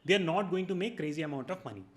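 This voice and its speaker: A man's voice: on the high side, animated, rapid-fire. A man with a North Indian accent, hosting an explanatory monologue for viewers in a didactic, emphatic way, laying out numbered points. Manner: didactic, emphatic, mixes in Hindi phrases. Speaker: video host and educator.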